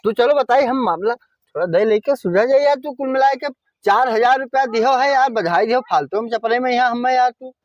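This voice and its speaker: A man playing a village honey seller in a rustic comedy sketch, haggling in a pushy, quick way. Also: extremely high pitch, no room sound, muffled recording.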